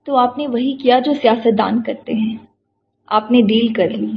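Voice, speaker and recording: A woman's voice: fairly high pitch, gravelly, lo-fi sound, a little hiss or hum. A woman voicing a stunned young man who speaks with reproach, in a storybook reading. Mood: reproachful.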